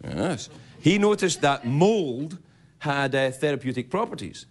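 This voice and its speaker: A man doing a rambling stand-up monologue, slipping into silly voices for quick bits. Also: a little high, animated. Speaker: stand-up comedian. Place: comedy stage before a live audience. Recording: live room with loud audience laughter.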